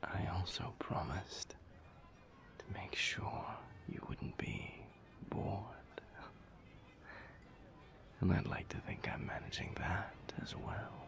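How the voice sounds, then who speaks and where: A man playing an urbane, old-souled vampire lover in an intimate audio roleplay, wry and tender, speaking in languid, formal phrases with a breathy murmur. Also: animated, slow, fairly bright tone, whispered, heavily acted. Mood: tender, seductive. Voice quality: breathy, low, creaky.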